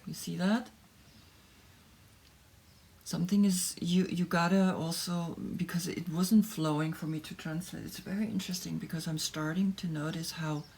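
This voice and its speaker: Slow, husky woman. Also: sits low. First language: German. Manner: slow, soft, drifting into whispers, thinking aloud. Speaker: tarot reader. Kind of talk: meditative tarot reading, partly translated.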